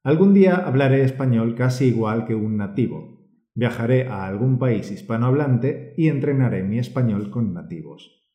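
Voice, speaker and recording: A man co-hosting a language-learning podcast, speaking and reading aloud in a measured, encouraging teacher's way. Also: mid-range voice, animated, roomy sound, highs cut off. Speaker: podcast co-host.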